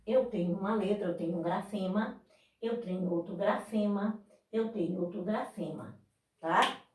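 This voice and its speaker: A woman's voice: fairly high pitch, darkish tone. A woman teaching a school class, explaining patiently and asking the class rhetorical questions. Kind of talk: recorded online class lesson. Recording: echoey room, voice from a distance.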